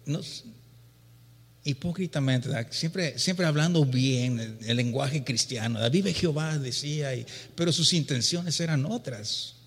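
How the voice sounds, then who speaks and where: A man's voice: mid-range voice, measured pace, slightly rough. A man preaching a sermon and reading from the Bible, often repeating words and tagging questions to the congregation. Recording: long reverb of a large hall.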